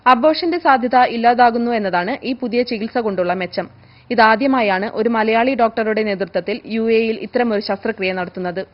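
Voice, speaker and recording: Higher-voiced woman reading formal news. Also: normal speed. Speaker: news reader. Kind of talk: scripted news narration. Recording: dull, lo-fi broadcast audio.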